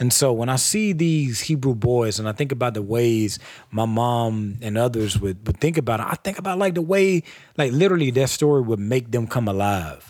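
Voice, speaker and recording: A man talks at a moderate pace with lively intonation. His tone is animated. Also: medium pitch for a man. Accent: Southern US. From the Carolinas. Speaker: author and writer. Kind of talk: casual interview conversation.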